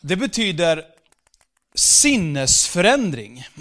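A man giving a conversational church sermon, slowing down for scripture and sometimes raising his voice for emphasis. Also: sits high, sing-song. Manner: conversational preaching with fillers, slows for scripture, bursts louder for emphasis. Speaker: pastor.

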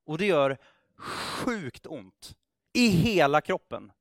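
A man's voice: a little high, big pitch swings, creaky, no room sound, studio quality. A man preaching, telling a story in a loose, conversational way with restarts and acted-out dialogue. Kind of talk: sermon storytelling.

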